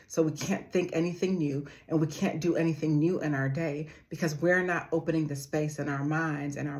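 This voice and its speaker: Low-voiced woman giving earnest motivational talk. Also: darkish tone. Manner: earnest, repeats phrases slowly for emphasis; calls her audience "family". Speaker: motivational speaker.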